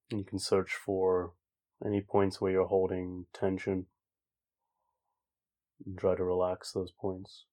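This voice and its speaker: A man leading a guided meditation in a calm, informal way, speaking gently spaced instructions with long pauses. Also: low voice. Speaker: meditation teacher. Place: online group session over video call.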